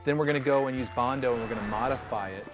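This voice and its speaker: A man with a mid-range voice explains his craft in a plain, matter-of-fact way. Music plays clearly under his voice. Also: mid-range voice, racing. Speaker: puppet fabricator.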